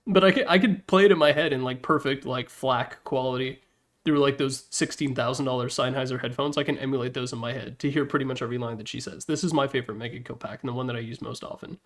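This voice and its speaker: A man with a medium-pitched voice presents a tier list slideshow at a quick pace. His commentary is casual and opinionated, informal and mildly profane, peppered with wry asides.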